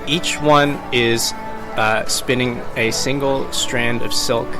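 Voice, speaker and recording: Male tabletop player, mid-range voice, measured and drily understated, music behind. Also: medium pitch, steady tone. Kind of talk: describing his roleplaying character. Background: background music.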